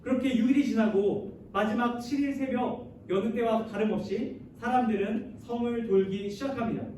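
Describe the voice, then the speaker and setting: High-voiced young pastor in an echoey hall. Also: male voice, darkish tone, far from the mic. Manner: addresses the listeners often and asks them questions; leads the congregation in reading scripture aloud. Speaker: youth pastor. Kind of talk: sermon to high school students. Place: large church hall. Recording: very echoey hall, voice heard from afar, faint noise.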